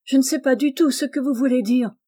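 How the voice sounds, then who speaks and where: A woman's voice: high-pitched, fairly quick, mellow. A woman doing a meek, devoted housekeeper.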